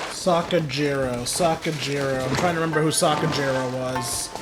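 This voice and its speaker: A man's voice: fairly high pitch, steady tone, moderate pace, over loud music. A man making blunt, mock-grumpy joking comments over a video game as he plays. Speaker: gaming streamer.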